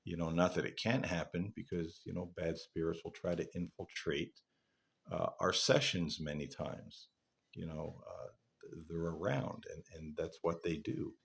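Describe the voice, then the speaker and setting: A man hosting a paranormal channel, talking casually and reflectively to viewers in an earnest, halting, rambling way. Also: low voice, gravelly, slightly rough. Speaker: paranormal investigator and channel host.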